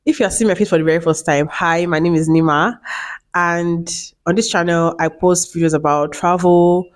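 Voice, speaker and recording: Woman in her late twenties, vlogger, chatty, rambling with fillers, slightly low voice. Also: steady tone, moderate pace. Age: 20s. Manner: chatty, repeats herself, many fillers. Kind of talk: casual talk to camera.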